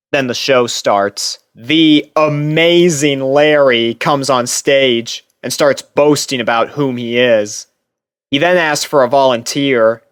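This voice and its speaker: A man reading fan fiction as a first-person narrator, expressive and theatrical. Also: mid-range voice, no echo, clean studio sound.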